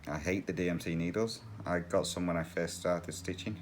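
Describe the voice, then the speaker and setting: Man, very low voice, casual chatty stitching talk, rambling, laughs a lot. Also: fairly even intonation, moderate pace, slight background noise. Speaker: cross-stitch channel host. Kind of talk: casual chat while stitching.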